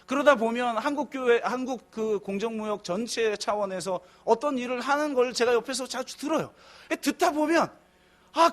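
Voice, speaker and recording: Middle-aged guy pastor, really high voice, chatty sermon, goes quiet then gets loud and punchy. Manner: conversational preaching, swings from soft musing to loud emphatic outbursts. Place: church sanctuary.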